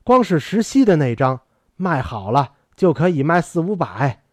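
A man reading aloud and voicing a weary, gentle old male scholar who talks softly and earnestly in an audiobook. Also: fairly high pitch, sing-song, moderate pace, no echo, clean studio sound. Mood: earnest pleading. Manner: soft-spoken, earnest pleading. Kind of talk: audiobook character voice.

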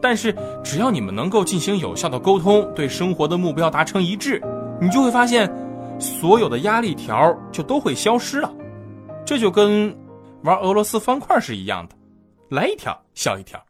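A man hosting a comedy talk show, telling stories in a lively scripted monologue. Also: high voice, moderate pace, music in the background. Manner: lively storytelling. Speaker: host.

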